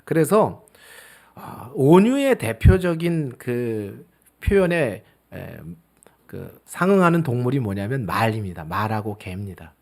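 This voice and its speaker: A middle-aged male pastor preaching a sermon, swinging between loud emphasis and soft, near-whispered asides. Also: a little high.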